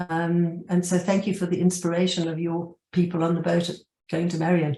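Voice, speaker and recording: A woman speaks in a fairly low pitch with a dark, mellow, somewhat breathy tone and monotone, flat intonation. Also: fairly quick pace. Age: 80s+. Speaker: tree book co-author. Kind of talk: webinar interview. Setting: video call.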